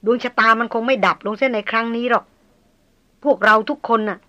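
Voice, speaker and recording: A woman voicing a calm male companion who speaks softly and reassuringly. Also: on the high side, fairly quick, highs cut off. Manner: soft, reassuring.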